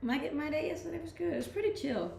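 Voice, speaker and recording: Reading live comments aloud, a young woman from Denmark chats easily with her viewers and laughs a lot. Her high, darkish voice has a gravelly edge and moves at a quick pace, and her slight Danish accent is blended from the many countries she's lived in. Faint noise sits behind her in an echoey room.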